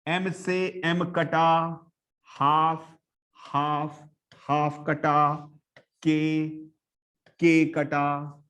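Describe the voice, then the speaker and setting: A male physics teacher with a slightly high voice lectures in a classroom. He swings between quiet explaining and loud emphasis as he works through problems, speaking straight to his students. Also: extremely slow, long pauses. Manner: animated, swings between soft and loud, addresses students directly.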